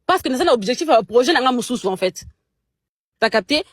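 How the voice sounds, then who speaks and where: A woman's voice: a little high, expressive, brisk, no echo, clean studio sound. A young Congolese woman in a heated casual chat, speaking French with a Congolese accent, emphatic and indignant, stumbling over repeated words. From Democratic Republic of the Congo. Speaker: guest on a live chat.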